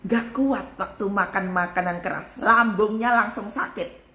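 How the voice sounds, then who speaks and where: A woman pastor giving a live devotional sermon with a forceful, emphatic delivery. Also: mid-range voice, unhurried, echoey room.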